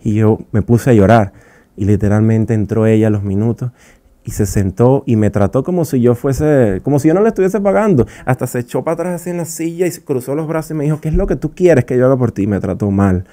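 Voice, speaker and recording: A man's voice: mid-range voice, expressive, fairly quick, warm tone, no echo. A young adult man giving a personal faith testimony on Christian radio, earnest and emotional, often restarting his words. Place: radio studio.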